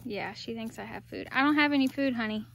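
A young woman with a slightly high voice talks quickly while vlogging her outdoor farm chores, chatting casually to the camera and cooing softly at the animals in a baby voice. She records on a phone camera, often held at arm's length, with farm animals and outdoor sounds around her.

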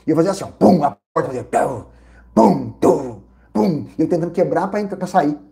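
A Brazilian man vlogging casually, telling an animated, repetitive story with lots of exclamations. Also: on the high side, a little fast, creaky. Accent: Brazilian Portuguese. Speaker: vlogger reviewing credit card perks and hotels.

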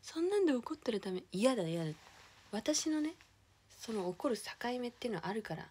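A young woman, chatting casually as a streamer, ranting with animated indignation and dropping into whispered asides. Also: fairly high pitch, a little fast, slightly rough. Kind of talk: casual chat.

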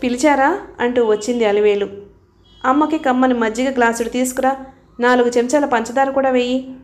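Female audiobook narrator, fairly high voice, steady storytelling read with dialogue. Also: brisk.

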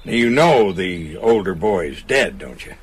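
An actor in a radio drama playing a shrewd, folksy small-town American police constable with a dryly understated, probing manner. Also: male voice, sits low, sing-song, unhurried, slightly rough, heavily acted. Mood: quietly probing.

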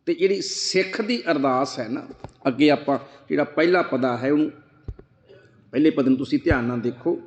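A man preaching a Sikh scripture sermon, chanting verses slowly and then explaining them earnestly. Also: a little high, echoey room, in a large hall. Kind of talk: slow devotional sermon.

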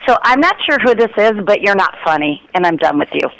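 A woman's voice: medium pitch, very animated, a little fast, a bit bright, no echo. A woman arguing on a phone call, indignant and sarcastic, as the target of a prank call. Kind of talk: angry phone argument.

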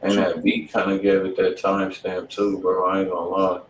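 Low-voiced man, roomy and off-mic. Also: completely flat delivery, fairly quick, slight background noise. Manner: blunt, slangy critique with loose asides. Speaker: music review stream co-host. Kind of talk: casual live stream chat. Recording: roomy sound, mic at a distance.

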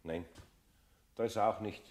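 An actor playing a kindly middle-aged Bavarian carpenter in a radio play, muttering to himself and bursting into exclamations. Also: male voice, fairly low pitch, moderate pace, a little mellow, lightly acted. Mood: anxious, wistful.

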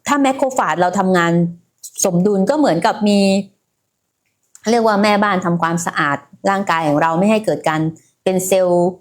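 A woman's voice: mid-range voice, animated, a little fast. A woman hosting a casual health livestream, talking in a chatty way and speaking straight to her viewers. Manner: chatty, many fillers, addresses viewers directly.

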